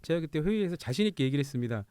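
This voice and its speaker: A man's voice: on the high side, expressive, rapid-fire, warm tone, clean tone, no echo. A man hosting a radio talk show, telling stories animatedly and laughing often in a studio. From Incheon, South Korea.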